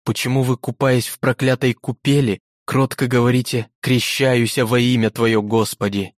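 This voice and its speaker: A man's voice: medium pitch, flat delivery, moderate pace, dry recording, studio quality, close to an everyday voice. A man voicing a proud, defiant young woman on trial, speaking with indignant passion in a storybook reading. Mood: impassioned.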